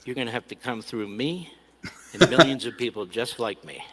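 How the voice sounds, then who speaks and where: A man's voice: medium pitch, animated, moderate pace, bright, forceful tone, big-room sound, low-quality recording. A man in a played clip giving a combative, taunting speech. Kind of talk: defiant speech.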